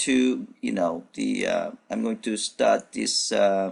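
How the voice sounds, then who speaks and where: Over a quiet background, a man speaks with a Korean accent. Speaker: programming instructor. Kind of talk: live coding tutorial. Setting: webinar screen share. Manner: halting, many fillers.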